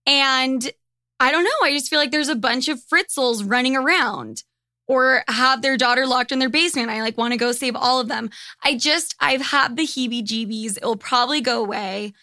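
A woman's voice: high-pitched, normal speed, no room sound, studio quality. A young American woman hosting her podcast, telling stories candidly in a casual, profane way. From United States. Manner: profane, candid, animated storytelling. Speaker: podcast host.

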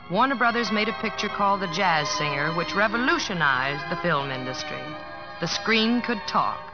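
A woman's voice: medium pitch, natural voice. American female voice, devoted frank wife played by an actress, earnest old radio storytelling, dull recording, music underneath. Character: devoted, frank wife of a humorist, narrating their life. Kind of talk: 1950s American radio drama acting and narration.

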